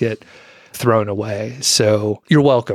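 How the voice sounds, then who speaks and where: In a plain, everyday voice, a man talks at a medium pitch, his intonation fairly even. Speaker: podcast co-host. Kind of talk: casual chat. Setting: home studio in basement.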